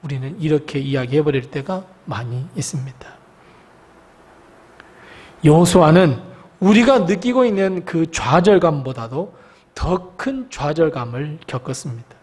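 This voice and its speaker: A male pastor preaching in a high voice that swings widely up and down. His delivery is theatrical: he sinks to a hushed whisper, then climbs to an impassioned cry. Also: expressive, unhurried, husky. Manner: dramatic preaching that drops to whispers and rises to loud cries. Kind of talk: sermon.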